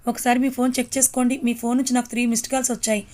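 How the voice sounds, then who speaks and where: A woman voicing a young male office worker who keeps calling a stranger and talks smoothly and persistently. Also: a little high, level tone, very fast, darkish tone, close to an everyday voice.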